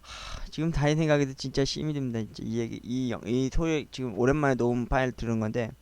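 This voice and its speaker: A man's voice: on the high side, clean tone, dry recording. Agitated man retelling a family fight. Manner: agitated, animated retelling, quoting people in raised voices. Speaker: channel host telling a family story. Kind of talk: casual storytelling monologue.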